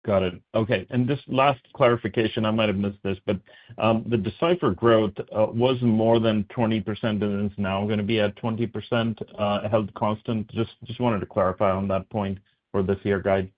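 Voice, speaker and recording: A man asking questions as a financial analyst on an earnings call, halting and hesitant in his phrasing. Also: fairly low pitch, steady tone. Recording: tinny phone line.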